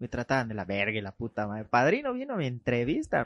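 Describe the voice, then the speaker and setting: A man talks at a fairly quick pace with a medium pitch. The sound is dry and close with no echo, and the background is quiet. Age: 30s. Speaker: podcast host and journalist. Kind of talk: casual chat.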